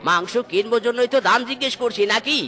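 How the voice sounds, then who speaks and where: Cartoon miser, old duck father, played by an actor: bright, sharp, scolding, exclamatory, short-fused. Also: medium pitch, quick pace, natural voice. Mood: irritated, haggling. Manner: scolding, exclamatory, repeats words. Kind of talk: Bengali comedy cartoon dialogue.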